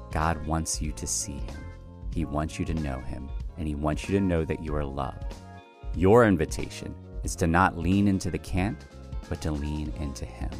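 A man delivering a calm, measured scripted devotional reflection in an earnest manner. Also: very deep voice. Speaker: devotional speaker. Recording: faint music underneath.

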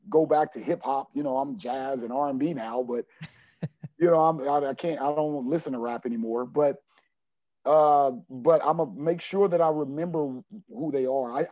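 A man's voice: medium pitch, warm tone, dry recording, dull audio. A man in his forties, a basketball coach answering podcast questions earnestly, often repeating words as he finds his thought. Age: 40s. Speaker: junior college basketball coach.

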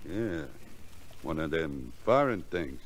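A man's voice: extremely low pitch, very animated, slow pace, faint music behind, heavily acted. An actor playing a cocky, taunting American small-time crook with slangy tough-guy talk in a 1940s radio crime drama. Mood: jeering. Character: cocky small-time male crook, jeering ex-convict punk.

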